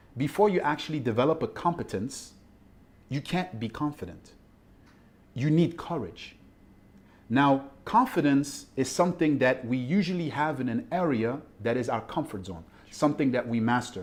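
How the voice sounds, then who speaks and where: A man with a French accent, fairly high-pitched, with lively intonation at a moderate pace, in a very clean recording with a silent background. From Ivory Coast. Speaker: mindset coach. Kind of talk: interview.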